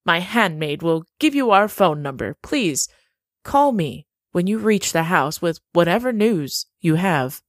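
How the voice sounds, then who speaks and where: An actress playing a gracious, slightly secretive woman host in an audio drama, speaking slowly and courteously. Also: fairly low pitch, expressive, dry recording, clean studio sound.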